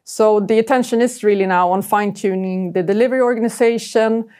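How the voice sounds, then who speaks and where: A woman's voice: medium pitch, steady tone, a little fast, mellow. Woman presenting company results. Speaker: chief executive presenting results. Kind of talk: corporate earnings presentation.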